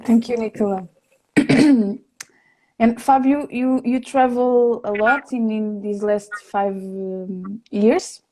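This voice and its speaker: Mellow-voiced woman host, halting and slow. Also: fairly high pitch, fairly even intonation, poor audio. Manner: hesitant, halting questions with many fillers. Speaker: event host. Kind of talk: hosting a panel conversation.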